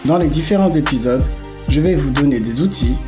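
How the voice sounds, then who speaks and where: A man hosting a podcast, reading a clear, steady intro and then chatting easily with his guest. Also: on the high side, brisk. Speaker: podcast host, social educator. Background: faint music under intro.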